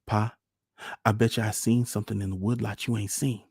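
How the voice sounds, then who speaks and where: A man's voice: fairly low pitch, little pitch movement, fairly quick, vocal fry, darkish tone, husky, no room sound, clean studio sound, pitched above the performer's own voice. A man voicing a small, dreamy, easily upset boy with a rural Southern accent in a storybook reading. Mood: wistful, eager. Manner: pleading, childlike dialect speech.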